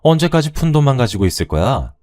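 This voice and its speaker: A man's voice: medium pitch, sing-song, quick pace, darkish tone, faint music behind, voice pushed up, natural voice. A man playing a self-assured, coaxing business partner who is a swindler, in a radio story. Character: smooth-talking swindling business partner, middle-aged man.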